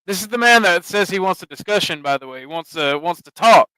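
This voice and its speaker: A man with a Southern US accent talks over a clip on his stream, animated and mocking. His voice sits a little high and sounds bright and smooth, recorded dry and close. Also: fairly quick, no room sound, rough recording. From American South. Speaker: streamer host. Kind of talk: casual stream commentary.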